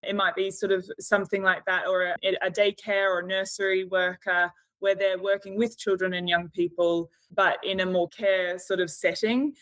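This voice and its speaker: A woman's voice: medium pitch, little pitch movement, normal speed, few pauses, fairly bright tone, dry recording, rough recording. A woman in her thirties from Australia with an Australian accent, chatting as a podcast guest and hedging often with "sort of" and "you know". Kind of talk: casual interview chat.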